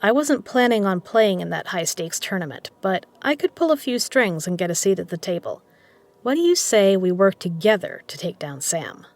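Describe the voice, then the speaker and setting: A woman playing a shrewd poker legend who runs an underground casino, speaking in a measured, persuasive way in a scripted audio drama. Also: mid-range voice, lively intonation, close to an everyday voice. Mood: resolute, persuasive.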